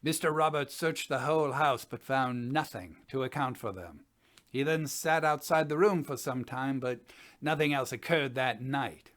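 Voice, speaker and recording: A man in his sixties playing a sober, methodical gentleman scientist, reading a formal report deliberately as a dramatic piece. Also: medium pitch, lightly acted. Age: 60s. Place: indoors, small study.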